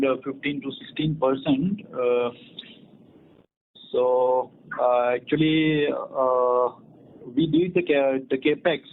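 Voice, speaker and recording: A man giving a hesitant, halting answer as a company executive on an earnings call. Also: mid-range voice, a little hiss or hum. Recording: thin phone-line conference call.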